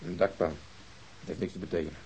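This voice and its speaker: A low male voice as a police inspector in a radio play. He is blunt and irritable, a hot-tempered, proud man who speaks gruffly. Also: steady tone, fairly quick, mellow, low-quality recording. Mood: subdued. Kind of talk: Dutch radio drama acting.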